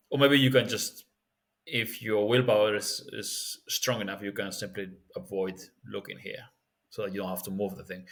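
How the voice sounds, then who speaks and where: A man with a Spanish accent, hosting a language-learning tutorial in a relaxed, think-aloud way, often tagging sentences with "yeah?" or "right?". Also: fairly low pitch, creaky. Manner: relaxed and thinking aloud, with frequent fillers and tag questions. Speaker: language-learning video host. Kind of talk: casual spoken tutorial.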